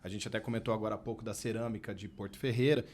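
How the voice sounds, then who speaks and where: A middle-aged man in advertising, a podcast guest who talks in a relaxed, conversational way and often tags his sentences with a question. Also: lowish voice, rapid-fire. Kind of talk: podcast interview.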